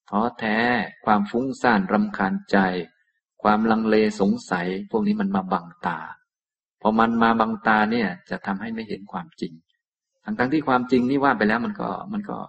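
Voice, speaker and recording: A man giving a Buddhist Dharma talk, unhurried and repeating phrases for emphasis, with a gravelly, husky voice. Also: on the low side, muffled recording. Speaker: Buddhist teacher.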